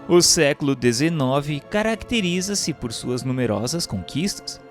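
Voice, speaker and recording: A man reading scripted narration in a formal, solemn, measured manner. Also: medium pitch. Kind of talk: scripted audiobook-style narration of a spiritual history text. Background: instrumental music.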